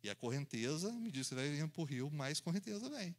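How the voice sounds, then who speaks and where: A preacher tells his story animatedly, acting out the voices and sound effects himself. His voice sits fairly high for a man. He often laughs along as he talks. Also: sing-song, fairly quick. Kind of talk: storytelling sermon.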